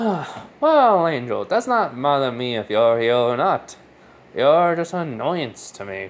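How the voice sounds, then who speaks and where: A put-on character voice from a man, fairly slow in pace and fairly high in pitch. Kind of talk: old-timey radio announcer. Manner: dismissive, condescending.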